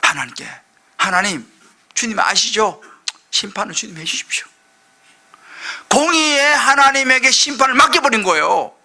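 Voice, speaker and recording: A middle-aged male pastor preaching a sermon, impassioned, swinging from loud outbursts to hushed asides. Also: high voice, very animated, normal speed, creaky, pauses often. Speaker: senior pastor.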